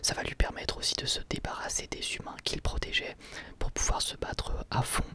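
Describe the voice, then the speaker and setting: Male ASMR reviewer: sustained whisper, bright edge, casual halting phrasing. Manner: whispering throughout, hesitant informal delivery. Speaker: ASMR YouTuber reviewing anime.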